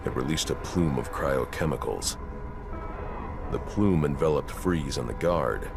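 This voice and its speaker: A super deep gravelly caped detective, grim and clipped, game music under it. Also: male voice, lively intonation, measured pace, full character voice. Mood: analytical. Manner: terse, clipped investigative monologue. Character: grim brooding masked male vigilante detective. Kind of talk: video game cutscene voice acting.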